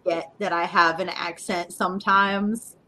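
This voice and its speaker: A woman's voice: fairly low pitch, level tone, a little slow, bright, forceful tone, a little hiss or hum. A woman with a slight Ohio River Valley accent, rambling and amused in podcast chat.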